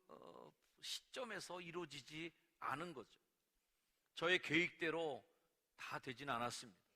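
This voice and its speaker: A man preaching a Sunday sermon as pastor of a church, lively and at times acting out angry cries to God. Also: fairly high pitch. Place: church sanctuary. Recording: long reverb of a church sanctuary.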